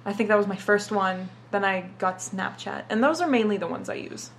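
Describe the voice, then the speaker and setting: A woman's voice: mid-range voice, brisk, gravelly, slight background noise. A young woman who grew up in Dubai and speaks Arabic as her first language, answering questions in a casual interview and swearing freely as she talks. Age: young adult. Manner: casual, swears a lot, says "like" often.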